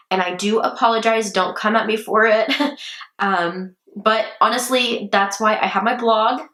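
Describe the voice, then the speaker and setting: A woman's voice: medium pitch, fairly bright tone. A young woman hosting a true crime podcast, chatting casually with many ums and restarts, her voice a little strained from getting sick. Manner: chatty, rambling, with many ums and self-corrections. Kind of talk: casual chat. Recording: echoey room.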